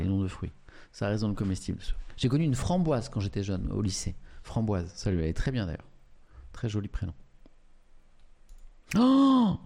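A man's voice: fairly low pitch, vocal fry, dark tone. A man, streaming live and reading out and reacting to viewer chat in a chatty, amused way.

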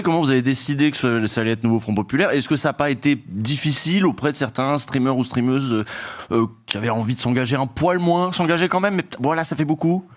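A man co-hosting a talk show, asking a guest pointed questions in a casual tone. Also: mid-range voice.

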